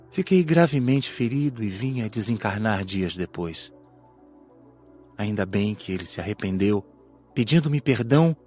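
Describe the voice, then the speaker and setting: Man playing a husky, repentant male spirit. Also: on the low side, a little mellow. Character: repentant male spirit recounting his violent death. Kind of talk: dramatized audiobook character reading.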